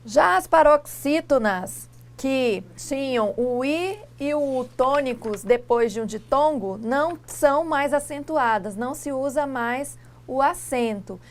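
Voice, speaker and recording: A woman teacher from Brazil explaining grammar rules in a lesson, asking rhetorical questions and pronouncing example words slowly. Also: high voice, expressive. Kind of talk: classroom lesson dialogue.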